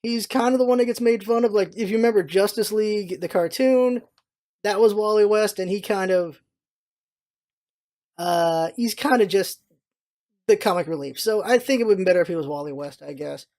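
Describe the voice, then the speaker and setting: Casual, rambling vlogger with mid-pitched voice. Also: normal speed, darkish tone. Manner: rambling, opinionated, informal with mild swearing. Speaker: video blogger giving movie opinions. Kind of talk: casual unscripted movie review chat.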